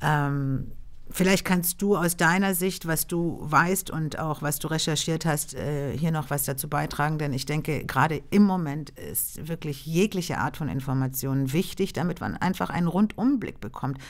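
A woman's very deep, low pitch, ordinary pitch variation, and a moderate pace. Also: quiet background. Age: 50s. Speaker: interviewer, journalist. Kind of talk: interview conversation. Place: studio. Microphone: studio mic.

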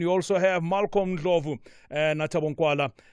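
Speech comes at a fairly quick pace with ordinary pitch variation. The background is quiet and the sound is dry, with no echo. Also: man. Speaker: stand-in radio host. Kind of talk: radio show introduction. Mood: upbeat, warm. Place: studio. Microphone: studio mic.

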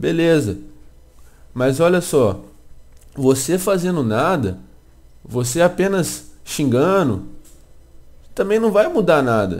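A man's fairly high voice at a very slow pace, with very wide pitch swings, long, frequent pauses and audible room echo. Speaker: gaming youtuber and clan leader. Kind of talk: casual vlog update. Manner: animated.

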